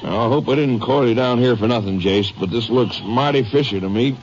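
An actor playing an excitable, folksy small-town Texas sheriff in a 1950s radio western. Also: male voice, medium pitch, a little fast, lightly acted. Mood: earnest, puzzled. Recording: muffled, noisy 1950s radio recording.

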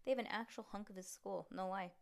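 A woman voicing an excitable, chatty third-grade schoolgirl who blurts out eager questions in a children's storybook. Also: medium pitch, fast talker, gravelly, close to an everyday voice.

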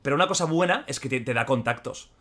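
A man's voice: mid-range voice, expressive, fast talker, sharp tone. A man hosting a podcast, interviewing in an emphatic, encouraging way. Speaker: podcast host. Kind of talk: casual interview.

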